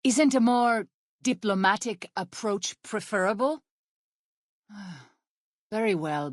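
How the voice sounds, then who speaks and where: A gentle tribal healer from a video game, with a mid-pitched voice. She speaks earnestly in careful, formal phrases free of slang. The recording is close and dry, like studio game dialogue. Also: no echo. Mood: calm, earnest, then reluctant. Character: Waking Cloud, gentle, earnest tribal woman healer and companion. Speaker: video game companion character and ending narrator. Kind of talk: scripted video game voice acting. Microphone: close studio microphone, dry.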